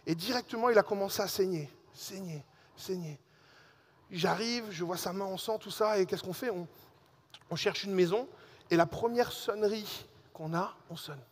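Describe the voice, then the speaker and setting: A man preaching a sermon as a pastor, telling a personal story in a lively way and speaking directly to the congregation. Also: high voice, moderate pace, long reverb tail. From Alsace and Réunion. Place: church hall.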